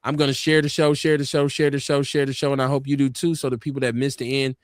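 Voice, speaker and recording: This fast-talking host, heard in clean studio sound without room echo, is an American man with an urban Black accent fronting a live online talk show. Casual by default, he reads out viewer comments and turns animated and preachy when pressing a point, his pitch jumping way up.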